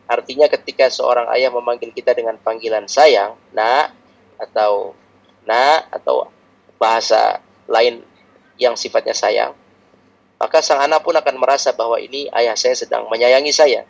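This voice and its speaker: A man preaching a religious lecture in a calm, explanatory teaching manner, repeating his points often. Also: mid-range voice, moderate pace, gravelly, muffled recording.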